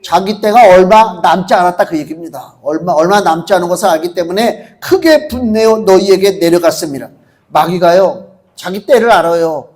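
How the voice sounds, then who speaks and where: A middle-aged man preaching a sermon as pastor, emphatic and animated, acting out quoted voices as he speaks. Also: sits high, normal speed. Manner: emphatic preaching, acts out quotes of demons and Jesus.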